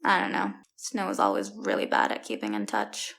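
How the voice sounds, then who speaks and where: An actress playing a blunt, sardonic young fairy-tale heroine with a casual, deadpan delivery in an audio comedy. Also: female voice, rumbling low, normal speed, vocal fry, heavy background noise, exaggerated voice. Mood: wry.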